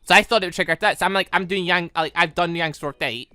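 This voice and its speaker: Bright-voiced young-sounding man gaming. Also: high voice, quick pace, no echo. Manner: rambling, self-correcting, informal. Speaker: gaming video host. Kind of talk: casual let's-play commentary.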